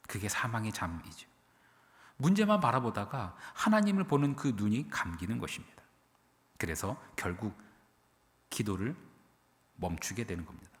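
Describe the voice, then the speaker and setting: A man preaching an early-morning sermon, slow and emphatic, dropping to near-whispers at the ends of phrases. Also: fairly low pitch, in a large hall. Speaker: pastor.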